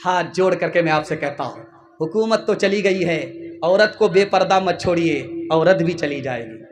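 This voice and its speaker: A man's voice: a little high, lively intonation, over music. A male Muslim preacher, delivering a fervent, rhetorical sermon and calling on the audience to raise their hands. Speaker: maulana preacher. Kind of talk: religious sermon at a gathering.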